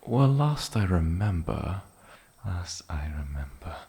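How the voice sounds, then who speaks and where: In a soft-spoken fantasy ASMR roleplay, a man portrays an eccentric, lonely, ancient island demon with a gravelly low voice. The delivery is sing-song and heavily acted, musing and curious, with polite pauses.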